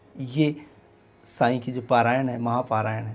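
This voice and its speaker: Music plays in the background. A man speaks at medium pitch with fairly even intonation. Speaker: podcast host. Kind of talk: spiritual podcast talk.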